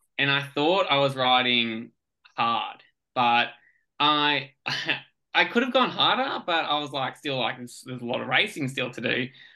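Over a quiet background, a man with an Australian accent talks at a moderate pace in a bright, sharp tone. His fairly high pitch shows ordinary variation, broken by long, frequent pauses. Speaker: professional triathlete and former pro cyclist. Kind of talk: casual chat.

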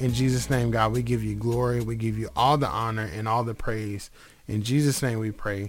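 A man with a normal speaking voice, moderate pace, medium pitch and ordinary pitch variation. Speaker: radio host and testimony speaker. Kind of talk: fervent prayer; live radio show with personal testimony. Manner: earnest, fervent, emotional; casual, friendly.

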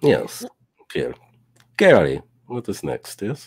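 In a put-on, raspy character voice with a Russian accent, the speaker talks at a fairly slow pace. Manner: exaggerated, playful.

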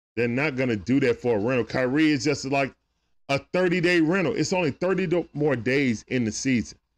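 With an Atlanta accent, a man talks at a fairly quick pace in a fairly high pitch, his intonation lively against a quiet background. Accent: Southern US, Atlanta. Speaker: sports fan livestreamer. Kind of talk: live sports commentary, play-by-play. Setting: live stream with chat. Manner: animated, rapid-fire play-by-play, emotional; casual, chatty with viewers.

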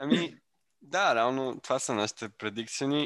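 Medium-pitched male voice with a bright, sharp tone, ordinary pitch variation and a fairly quick pace, in a dry, close recording with no echo, very clean and with a silent background. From Bulgaria, Sofia. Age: 20s. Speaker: football podcast co-host, student. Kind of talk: casual chat.

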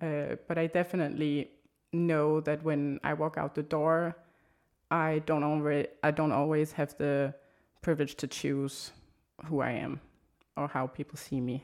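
The speech moves at a fairly slow pace with monotone, flat intonation and long, frequent pauses. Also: woman, very deep, low pitch for a woman. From Denmark, partly raised in West Africa. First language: French. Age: 20s. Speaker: horse trainer. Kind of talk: casual chat. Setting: studio.

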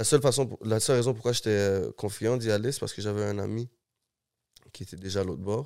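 In a very clean recording with a silent background, a man with a fairly low voice talks very fast with ordinary pitch variation and long, frequent pauses. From Montreal, Côte-des-Neiges. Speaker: rapper and producer. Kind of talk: casual interview chat.

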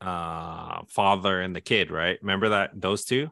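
A man talks in an ordinary speaking voice with ordinary pitch variation. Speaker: podcast co-host. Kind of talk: casual podcast banter.

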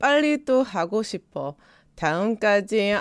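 A woman speaks with a fairly high pitch and very wide pitch swings. The recording is very clean, with a silent background. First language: not Korean (Korean learner) (speaking Korean). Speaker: podcast co-host, Korean learner. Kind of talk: casual chat.

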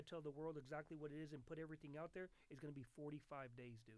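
Talking at a fairly quick pace, a man with an American accent has an ordinary speaking voice at a fairly high pitch. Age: 40s. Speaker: comedian and content creator. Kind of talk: casual chat.

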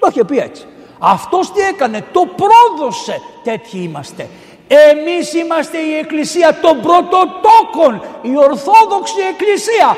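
Extremely high-pitched man at a fairly slow pace, lively intonation, noticeable background noise. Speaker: Orthodox priest and preacher. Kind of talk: sermon. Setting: church.

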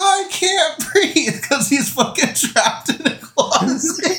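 A put-on character voice. It moves at a fairly slow pace. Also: man, extremely high pitch for a man. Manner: comically distressed.

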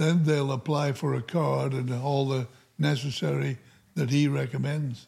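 Fairly high in pitch yet dark and mellow in tone, a man speaks somewhat breathily at a fairly slow pace. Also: fairly even intonation. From Yorkshire, England. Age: 80s+. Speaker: retired coal miner and grandfather. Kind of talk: casual family conversation. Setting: home recording with podcast mics.

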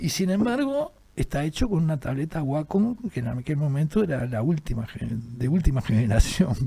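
At a moderate pace, a man with a fairly high pitch and a dark, mellow, somewhat breathy tone swings very widely in pitch. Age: 60s. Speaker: illustrator and cartoonist. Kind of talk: casual interview chat.

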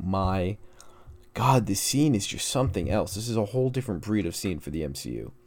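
A man speaks at a fairly quick pace. His voice is fairly low, with ordinary pitch variation. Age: 20s. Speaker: podcast host. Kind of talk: casual monologue. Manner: rambling.

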